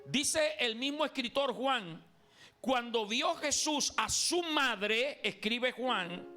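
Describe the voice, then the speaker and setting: A man's voice: extremely high pitch, bright, forceful tone. A man from Colombia preaching a sermon as pastor in a church, emphatic and calling on the congregation to repeat after him. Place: church sanctuary.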